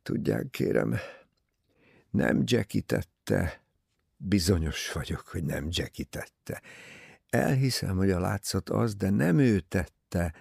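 A wounded young husband, frightened and strained, pushing his words out haltingly, as a male narrator plays him. Low, gravelly and husky, in a dry close audiobook recording. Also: lively intonation, darkish tone, no echo, heavily acted.

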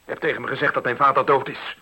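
An actor playing a hurt, accusing teenage son in a Dutch radio play, passionate and confused, with intense, confrontational delivery. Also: male voice, medium pitch, little pitch movement, rapid-fire, pushed and bright, breathy edge, rough recording.

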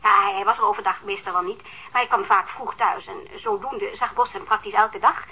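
A woman's voice: mid-range voice, fairly even intonation, brisk, bright, forceful tone, breathy edge. An actress in a radio drama playing an anxious, apologetic mother on the telephone, hesitant and stammering. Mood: hesitant, eager. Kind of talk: Dutch radio drama acting. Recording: telephone line with audible noise.

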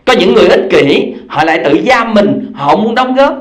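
Lively, high-voiced male Buddhist teacher. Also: normal speed. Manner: storytelling, asks the audience questions. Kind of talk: Buddhist dharma talk.

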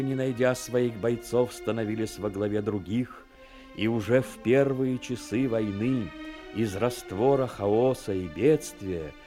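A man reading dramatic literary narration of a war story in a measured, expressive way. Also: mid-range voice.

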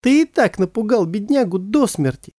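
A man's voice: expressive, moderate pace, no echo, studio quality. A man voicing a young mother who coos tenderly over her son and flares up at her husband, in a storybook reading. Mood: angry. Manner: soft cooing turning to shrill outbursts. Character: young mother, tender, protective, explosive when angry.

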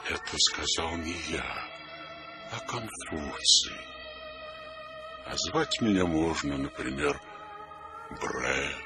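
An actor playing a mysterious, soothing wind spirit in a radio drama, speaking in a hushed, enigmatic, drawn-out manner. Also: male voice, a bass voice, wildly swooping pitch, heavily acted. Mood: gently persuasive. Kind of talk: Russian radio drama acting. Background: music.

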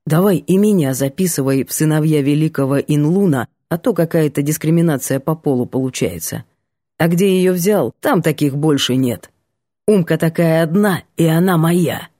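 A woman's voice: low voice, normal speed, dark tone, no echo, clean studio sound, voice pushed down. Woman doing a playful, easygoing young man. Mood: soothing. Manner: soothing, playful. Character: easygoing, teasing young man, the heroine's friend.

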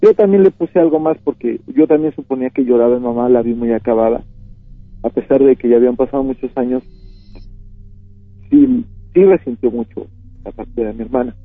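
A man calling in by phone, telling his story in an earnest, halting way. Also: mid-range voice, no room sound, faint music behind. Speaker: caller. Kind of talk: telling a personal story on a call-in show. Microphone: phone line. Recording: tinny dry phone line.

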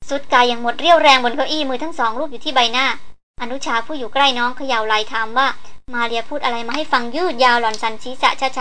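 Fast, bright-voiced woman narrator. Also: high-pitched. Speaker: audiobook narrator. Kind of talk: novel reading with character voices.

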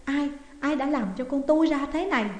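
A woman's voice: high-pitched, fairly quick, a little mellow, pitched above the performer's own voice, lightly acted. A woman with a Southern Vietnamese accent voicing an anxious parent who has found a lost daughter. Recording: echoey room with long reverb.

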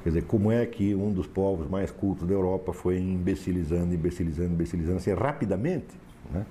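A man's voice: low voice, quick pace, warm tone, a little hiss or hum. A man giving a philosophy lecture to a class, emphatic and sardonic, often asking for assent.

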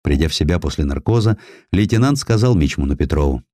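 A man narrating historical prose as an audiobook, with a measured, expressive and dramatic literary delivery. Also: very deep voice. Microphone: close studio microphone.

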